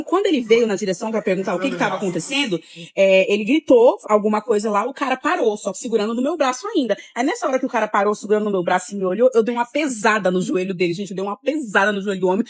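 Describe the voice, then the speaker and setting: A Brazilian woman with a Brazilian Portuguese accent tells her own story at a fast, lively clip, acting out the shouts and quoted voices in it. Her voice sits fairly high. The sound is close and dry. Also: dry recording. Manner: excited, acts out shouts and quotes. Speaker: witness recounting her own experience. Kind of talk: animated personal storytelling.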